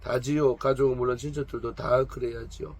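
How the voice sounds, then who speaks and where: A man's voice: medium pitch, steady tone, fairly quick, darkish tone, breathy edge. A man reading aloud the lines of a proud, complaining woman of 45 from a noble family. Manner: complaining, defensive, pleading.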